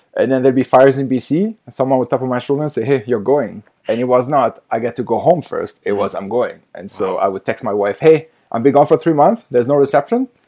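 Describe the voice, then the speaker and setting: Speaking at a very fast pace with a French accent, a man uses a medium-pitched, dark, mellow voice and ordinary pitch variation. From France. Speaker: heavy duty mechanic and drone pilot. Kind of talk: casual interview conversation.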